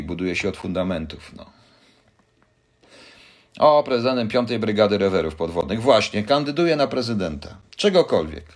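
Older guy rambling on a live stream, really deep voice, cracks jokes at the chat. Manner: rambling, joking, addresses viewers directly. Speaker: livestream host answering viewers.

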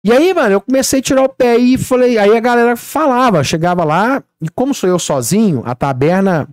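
Man, 30s, podcast guest, swooping pitch, acts out dialogue, dry close mic. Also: fairly quick, no echo. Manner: animated storytelling, acts out dialogue. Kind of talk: casual podcast chat.

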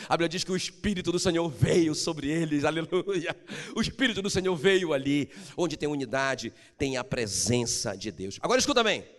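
Pastor guy preaching, voice up high and all over the place, hall echo. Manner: emphatic preaching, swings between loud outbursts and low drawn-out lines. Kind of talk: sermon.

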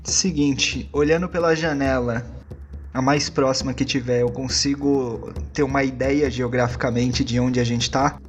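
A man's voice: mid-range voice, fairly even intonation, unhurried. Brazilian man thinking aloud, faint noise behind. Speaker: player in a tabletop game. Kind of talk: casual game chat.

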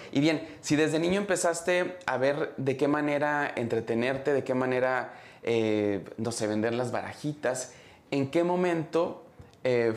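A man hosting a casual interview, asking questions in a middle pitch. He keeps his guest talking with short encouraging remarks. His voice carries some echo from the room. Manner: brief encouraging back-channel remarks. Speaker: interviewer and host.

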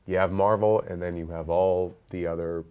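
A man's voice: deep voice, steady tone, moderate pace, narrow, tinny audio. Stuffed-up man hosting a movie podcast. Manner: chatty, lots of fillers, jokey. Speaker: podcast host. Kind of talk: casual roundtable chat.

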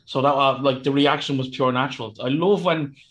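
Male co-host, froggy from a cold, rambling and quick to laugh. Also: mid-range voice, fairly even intonation, a bit bright. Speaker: podcast co-host. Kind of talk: casual film chat.

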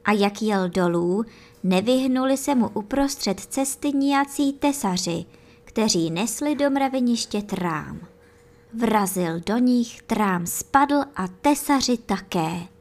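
A woman reading a children's bedtime story aloud, gently and with lively storytelling, speaking straight to the young listeners. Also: medium pitch.

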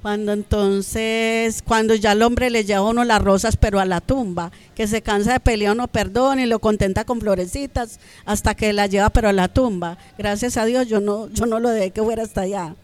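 A woman speaks as a podcast guest. She tells her story with lively energy and often slips into the voices of the people she quotes. Her pitch sits in an ordinary middle range for a woman. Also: normal speed, few pauses. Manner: animated, acts out quoted voices. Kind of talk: conversational storytelling.

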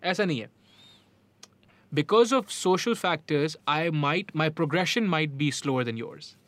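A man's voice: on the high side, expressive, moderate pace, a bit bright, dry recording. A man with a South Asian accent explaining things casually and didactically, switching between Hindi-Urdu and English and checking in with rhetorical questions. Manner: mixes Hindi-Urdu and English mid-sentence. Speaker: podcast host.

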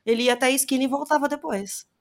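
A woman co-hosting a podcast in casual chat, lively and joking. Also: sits high, racing. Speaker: podcast co-host.

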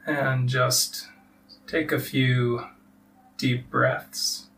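Guy leading a body relaxation meditation, super slow n flat, long pauses, mic sounds far off w a bit of noise. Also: medium pitch, gravelly. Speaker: meditation teacher leading a weekly group. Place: live group meditation session. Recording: distant mic with faint background noise.

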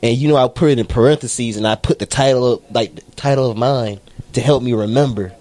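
A young man riffs through a casual podcast chat, swearing freely and wandering off mid-sentence. His voice sits at an ordinary mid pitch. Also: brisk, darkish tone, dry recording. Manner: rambling, profane storytelling with laughs. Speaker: podcast co-host.

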